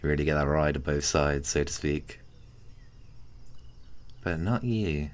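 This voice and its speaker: A man playing an easygoing, gently teasing giant friend in a casual, hesitant, intimate ASMR roleplay. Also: very deep voice. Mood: playful, teasing. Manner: hesitant, chuckling, unhurried casual talk.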